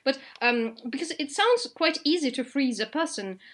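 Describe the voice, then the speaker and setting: A woman in a relaxed group chat, playful and giggly, often searching for her words. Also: high-pitched, moderate pace. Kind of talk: casual chat.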